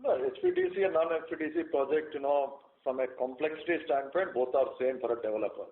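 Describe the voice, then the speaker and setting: A man's voice: mid-range voice, big pitch swings, fast talker, creaky. Man, executive, earnings call answers, explanatory, echoey, phone-line sound. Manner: explanatory, many "you know" fillers. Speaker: company executive answering analysts. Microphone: conference call line.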